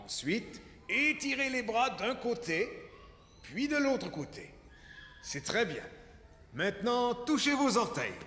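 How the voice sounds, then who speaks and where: A man's voice: very high voice, sing-song, slow pace, long pauses, sharp tone, big-room sound, full character voice. A man voicing a friendly, encouraging children's gym teacher in a cartoon, giving step-by-step instructions. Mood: instructive.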